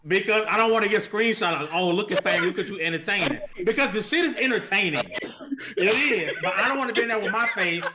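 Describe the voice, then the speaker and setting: Over loud background noise, a man with a high voice chats casually. He has an informal, joking panelist delivery, with clicks in the recording. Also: fast. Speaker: gaming podcast panelist. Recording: clearly noisy mic with loud background hiss.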